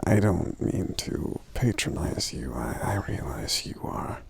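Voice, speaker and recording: A man playing a friendly, polite, protective giant in soft-spoken ASMR roleplay, breathy and gravelly, with hesitant, hum-filled pauses. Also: deep voice, very animated, heavily acted. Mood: concerned, hesitant. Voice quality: breathy, gravelly, half-whispered. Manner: hesitant, courteous, unhurried, pausing with hums.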